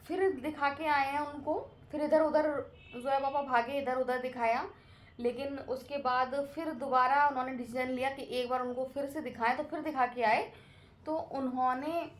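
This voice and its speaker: Chatty woman rambling through a home vlog. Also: high voice. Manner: chatty, rambling with many fillers. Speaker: vlogger. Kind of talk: casual family vlog talk.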